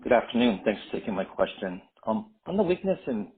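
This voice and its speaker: A male analyst puts a formal question on a conference call. His voice is fairly low and rough-edged with huskiness, heard through a narrow phone line. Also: very animated, fairly quick. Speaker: financial analyst, caller.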